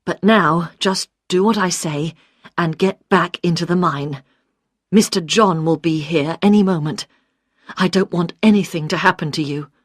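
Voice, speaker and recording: A woman reading a gentle calm man. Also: fairly low pitch, a little slow, dry recording, clean studio sound. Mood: reassuring. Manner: soft, reassuring.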